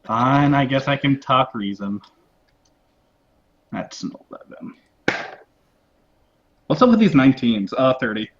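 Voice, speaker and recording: A man's voice: medium pitch, unhurried, pauses often. Casual male player on a dull mic. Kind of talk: casual in-character play.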